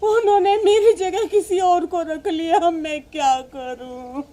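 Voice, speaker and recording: A woman acts out a poor, long-suffering mother in a melodramatic family drama. Her voice is extremely high. She speaks in a pleading lament, full of despair. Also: a little slow. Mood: tearful, despairing. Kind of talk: melodramatic Hindi drama acting.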